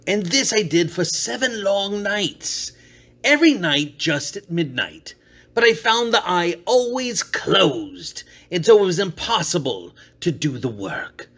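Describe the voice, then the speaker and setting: Sly unhinged murderer narrator, read by a man: slow, lilting, theatrical villain delivery with dropped whispers. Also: on the high side, a bit bright, breathy edge, exaggerated voice. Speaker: reader. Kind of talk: dramatic reading.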